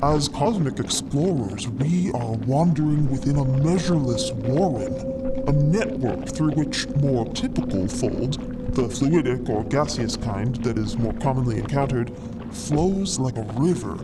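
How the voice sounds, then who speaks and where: A man voicing an excitable, frog-like cosmic explorer who lectures wordily in a fiction podcast. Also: medium pitch, a little slow, loud music behind the voice, close to an everyday voice, poor audio. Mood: lecturing, enthused. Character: eager, frog-like male cosmic explorer, gleeful theorizing savant. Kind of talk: acted fiction podcast dialogue.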